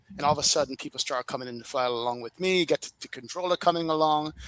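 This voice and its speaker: A man with a Jamaican accent, fairly high-pitched, fairly quick and lively in intonation, in a dry, close sound with no echo. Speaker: flight sim streamer. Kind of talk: casual podcast chat. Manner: animated.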